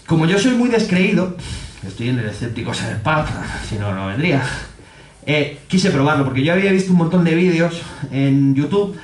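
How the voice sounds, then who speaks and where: A man with a Spanish accent giving a humorous talk in a pub, laughing often and acting out quotes in a high voice. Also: animated, normal speed, roomy sound. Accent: Spanish from Spain. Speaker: speaker giving a public talk. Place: pub with an audience.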